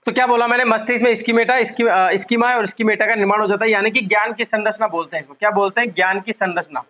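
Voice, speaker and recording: A man's voice: high-pitched, steady tone, highs cut off. A male psychology teacher giving an online exam-prep lecture, repeating key terms and quizzing the class often, drawing out the important words. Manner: drawn-out emphasis on key words.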